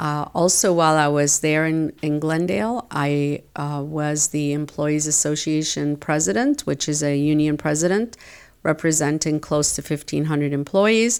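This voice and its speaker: A woman with an American accent speaks at a very deep, low pitch with ordinary pitch variation. Her moderate pace has hardly any pauses, in a very clean recording with a silent background. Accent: Egyptian-tinged American English. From Egypt, Cairo. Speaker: city clerk, politician. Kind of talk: interview.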